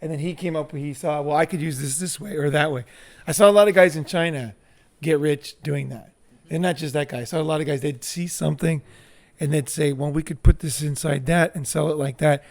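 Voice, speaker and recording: Gravelly man telling casual stories. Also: fairly high pitch, a little fast. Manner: animated anecdotes, profane, lots of 'like' and 'you know'. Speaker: group member telling stories. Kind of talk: casual storytelling.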